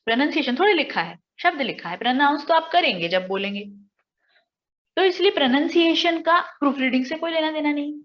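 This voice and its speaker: A woman's voice: sits high, lively intonation, brisk, muffled recording. An Indian woman teaching an exam-prep lesson, explaining step by step with everyday examples and rhetorical questions. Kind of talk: exam-prep lecture mixing Hindi and English.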